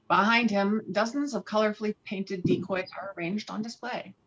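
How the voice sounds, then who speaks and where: A woman's voice: mid-range voice, fairly even intonation, normal speed, a bit bright, husky, muffled recording. A woman reading stage directions as narrator in a script table read.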